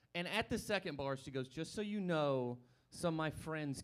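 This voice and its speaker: A man speaking at a moderate pace. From US South, Montgomery, Alabama. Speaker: stand-up comedian. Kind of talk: stand-up. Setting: stage with audience.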